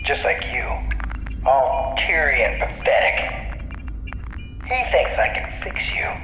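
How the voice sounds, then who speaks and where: An actor playing a gloating, sadistic old demon jailer in an audio drama, with a breathy, taunting, drawn-out delivery. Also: male voice, medium pitch, very animated, bright, forceful tone, full character voice. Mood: gloating menace. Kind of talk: audio drama villain acting. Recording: echoing, with faint background noise.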